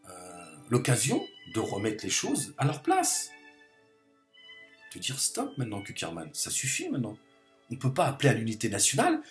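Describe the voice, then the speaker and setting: A man delivering an impassioned political monologue to camera, hammering his points by repeating phrases over and over. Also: medium pitch. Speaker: video commentator.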